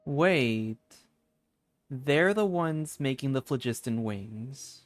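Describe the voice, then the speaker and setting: A man giving casual, slangy, sweary commentary as he streams a game playthrough, musing out loud. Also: mid-range voice, animated, takes it slowly, no room sound. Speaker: gaming streamer.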